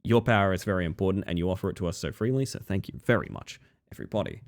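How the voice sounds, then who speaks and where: Wrapping up a long session, a male streamer chats casually with viewers, rambling in a friendly way and thanking them. His low voice is sleepy and crackly yet expressive, and he talks in rapid-fire bursts.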